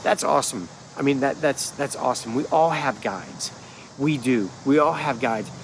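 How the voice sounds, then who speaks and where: Out in a wooded yard, a middle-aged man who works as a spiritual healer talks casually to a phone or camera at arm's length, his medium-pitched voice congested and nasal at a normal speed. His animated monologue rambles, with frequent restarts, while quiet insects and faraway traffic linger behind him.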